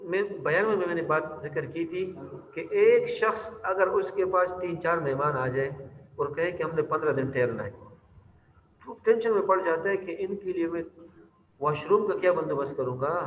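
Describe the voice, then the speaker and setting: A man teaching a religious lecture on Quran recitation, explaining by reciting and repeating words to correct pronunciation. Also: sits high. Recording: tinny, echoey hall with faint noise.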